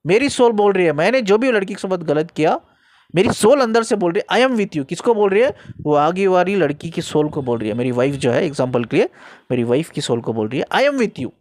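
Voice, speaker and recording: A man's voice: high voice, a little mellow. A man giving an earnest spiritual teaching talk, repeating phrases for emphasis and checking in with the listener. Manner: earnest, explanatory, speaks to the listener directly. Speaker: spiritual guide.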